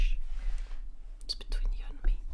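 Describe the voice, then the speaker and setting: A woman whispering. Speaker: streamer. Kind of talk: ASMR. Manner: whispered, soft-spoken. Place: home room. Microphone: studio mic.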